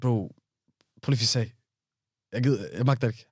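A man's voice: mid-range voice, husky, dry recording, studio quality. A man chatting casually and teasingly with a friend, playful and full of slang. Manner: playful, teasing, lively, mixes Danish with English slang. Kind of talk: casual chat.

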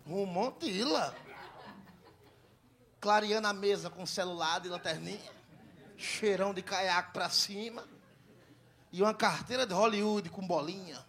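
A young man from Ceará with a Northeastern Brazilian accent, doing stand-up comedy on stage and telling crude stories while acting out the dialogue. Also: high-pitched. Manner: crude, animated storyteller who acts out dialogue. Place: comedy stage in front of a live audience.

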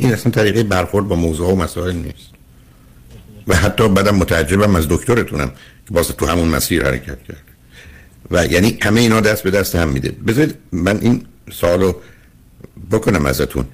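An older man with a husky voice, a radio counseling host giving earnest, lecturing advice to a caller. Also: low-pitched.

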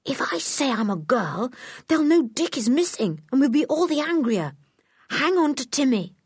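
A woman's voice: high-pitched, very animated, normal speed, a bit bright, no room sound, clean studio sound, voice pushed up. A woman voicing a brave, stubborn tomboy girl with a defiant, urgent manner in a storybook.

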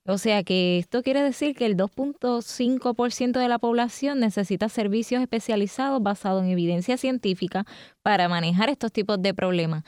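A woman hosting a radio talk show from a studio, speaking in a measured, explanatory way. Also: medium pitch, a little mellow, clean tone, no echo. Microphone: studio microphone.

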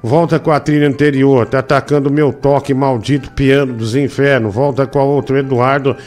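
A man from Brazil, hosting a casual live stream, slangy and teasing at an unhurried pace. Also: medium pitch, fairly even intonation, a little mellow, faint music behind. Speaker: livestream show host.

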